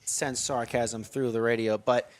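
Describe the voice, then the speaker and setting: A young man calling a baseball game on the radio from a ballpark press box, steady in tone and lifting his voice on big plays. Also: medium pitch, a little slow, crowd noise. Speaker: play-by-play announcer.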